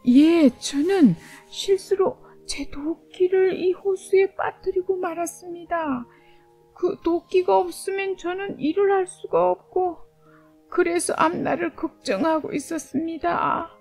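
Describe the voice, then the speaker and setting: A woman's voice: very high voice, unhurried, darkish tone, faint music behind, pitched above the performer's own voice. A woman voicing a timid, honest male woodcutter in a children's storybook, speaking carefully and politely with worry. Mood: anxious, polite.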